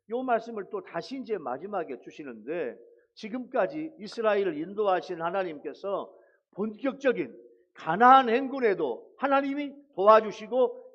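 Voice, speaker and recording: A man's voice: high voice, highs cut off. A pastor preaching a sermon in a church sanctuary, exhorting his congregation, repeating phrases and calling out hallelujah.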